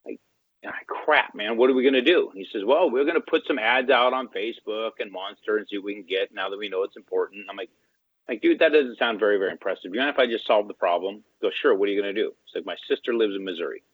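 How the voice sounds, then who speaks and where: A man's voice: on the low side, fast, husky, dry recording. A man telling a story as an interview guest in a casual way, acting out the dialogue as he goes. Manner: animated, acts out quoted dialogue. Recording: tinny phone-line sound, dry.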